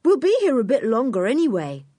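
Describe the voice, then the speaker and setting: A woman's voice: fairly high pitch, wildly swooping pitch, fairly quick, dark tone, no echo, clean studio sound, pitched above the performer's own voice. A woman voicing a sensible, well-spoken schoolboy who talks politely and earnestly. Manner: polite, earnest, proper English phrasing.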